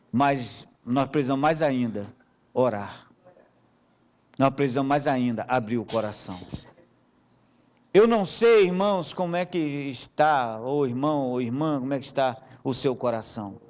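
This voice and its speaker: A man preaching as bishop, telling funny personal stories, with sudden loud bursts and hushed asides and questions thrown to the congregation. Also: medium pitch, a little slow, long pauses. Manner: animated storyteller, swinging between loud bursts and hushed asides; addresses the congregation directly with rhetorical questions. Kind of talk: sermon with humorous personal anecdotes.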